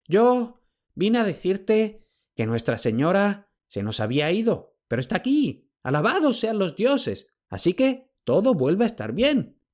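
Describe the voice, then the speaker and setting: A man's voice: sits high, sing-song, a little mellow, pitched above the performer's own voice. A man voicing a doddering, fawning old male slave who stammers and pants out his words. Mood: babbling. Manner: breathless, stammering, slow.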